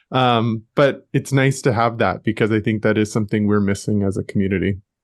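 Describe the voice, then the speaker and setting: In an ordinary speaking voice, a man talks at a fairly quick pace and fairly low pitch, with fairly even intonation and very even loudness, against a quiet background. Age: 30s. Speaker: podcast host and life coach. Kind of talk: interview podcast.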